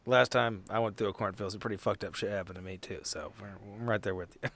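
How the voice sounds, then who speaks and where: A man's voice: fairly low pitch, steady tone, fast talker, creaky, fairly bright tone. A man playing a tabletop game, chatting casually and informally with the group. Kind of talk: casual chat.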